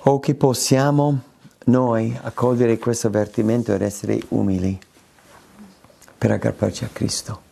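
A man preaching an expository sermon, lifting his voice high when he quotes scripture and prayers. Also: level tone, unhurried, gravelly, warm tone, slightly rough. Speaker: pastor.

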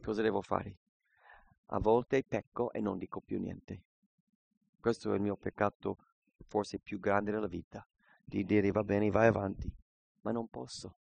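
A man preaching a sermon and reading scripture aloud, earnest, moving between quiet reflection and emphatic points. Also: on the low side, steady tone, a little slow, gravelly, long pauses, breathy edge, no echo, dull audio.

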